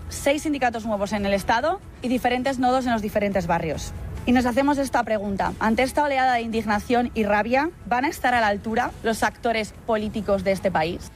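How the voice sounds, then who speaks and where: A woman union spokesperson giving a forceful, rallying public speech. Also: on the high side.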